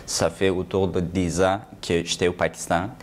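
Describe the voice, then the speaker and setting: Halting man with a deep voice. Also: flat delivery, slight background noise. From Afghanistan. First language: Dari. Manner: halting, searching for words, laughs often. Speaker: guest. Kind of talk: casual interview.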